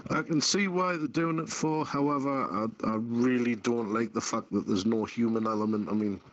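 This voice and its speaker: A man's voice: mid-range voice, moderate pace. A man in a casual panel discussion of the news, sceptical and full of questions. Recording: muffled lo-fi audio.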